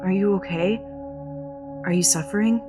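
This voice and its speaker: A woman's voice: mid-range voice, normal speed, over music, natural voice. Woman playing a wry, battered young searcher. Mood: anxious. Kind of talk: audio drama acting.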